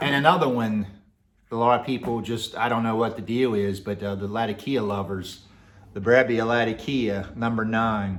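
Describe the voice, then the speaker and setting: Audible room echo surrounds a man speaking at medium pitch and a moderate pace with fairly even intonation. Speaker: pipe tobacco reviewer. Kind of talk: casual chat. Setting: workshop.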